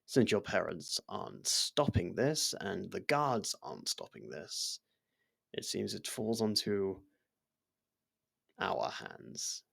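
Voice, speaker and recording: A man's voice: deep voice, big pitch swings, takes it slowly, creaky, a bit bright, slightly rough, no room sound, full character voice. A man playing a devoted, worried royal servant in an intimate fantasy roleplay, speaking formally and earnestly with careful deference. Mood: earnest, determined.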